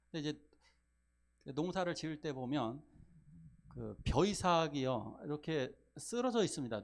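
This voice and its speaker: A middle-aged pastor delivering a Sunday sermon in a fairly high voice that climbs and drops all over the place. He pushes up loud and emphatic at his big points, then sinks to soft, low asides, and slips into the voices of the people in his story. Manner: animated preaching, swinging from loud emphatic rises to low quiet asides; acts out family members' lines in quoted speech.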